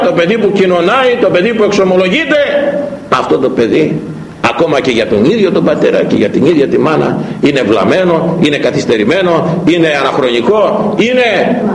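A male priest giving a sermon, emphatic and full of rhetorical questions, rising loud and dropping low. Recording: roomy echo, faint noise.

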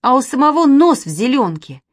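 A woman voicing Katya, a proud, touchy little girl who talks in shrill, offended outbursts. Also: big pitch swings, fairly quick. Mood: scornful.

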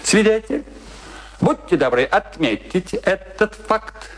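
Pompous vindictive older army husband, radio play, swoopy higher-ish voice, faint noise behind. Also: male voice, very animated, exaggerated voice. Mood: pompous, cold. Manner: theatrical, deliberate, mock-official delivery. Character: vindictive, pompous older military husband, coldly mocking his wife.

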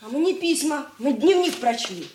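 A woman's voice: high voice, lively intonation, normal speed. An actress playing a nosy, cheeky young teenage girl who teases and pesters in a radio drama. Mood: teasing. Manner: teasing, pert. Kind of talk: 1980s radio drama acting. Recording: roomy, with hiss.

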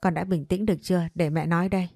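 A woman's voice: fairly low pitch, steady tone, fast, mellow, dry recording, studio quality. A woman voicing a stern, dismissive middle-aged mother in a spoken ghost story, with a brusque, scolding manner.

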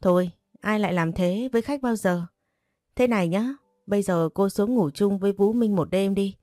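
A man's voice: high voice, moderate pace, a little mellow, dry recording, studio quality, close to an everyday voice. A woman reading the part of a teasing, possessive young master of the house, in a storybook. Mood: firm. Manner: teasing and bossy.

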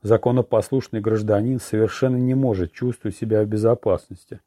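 A smug, sanctimonious male preacher who lectures self-righteously, as a male audiobook narrator puts him on. The tone is low and dark. It is recorded dry and close. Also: fairly even intonation, a little fast, no room sound, lightly acted. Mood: pious.

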